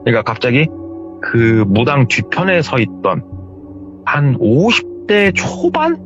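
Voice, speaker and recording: A man's voice: mid-range voice, takes it slowly, music in the background. A man casually retelling a true horror story he heard from someone, slightly muffled. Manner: lively, retelling hearsay.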